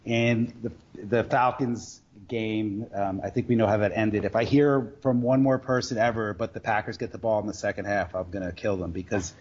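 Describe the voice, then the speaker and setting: Guy telling stories in an interview, rambly n halting, kinda muffled lofi audio. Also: fairly low pitch, fairly even intonation, a little mellow. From Queens, New York. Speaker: sports bettor guest. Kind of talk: casual storytelling interview. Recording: dull lo-fi audio.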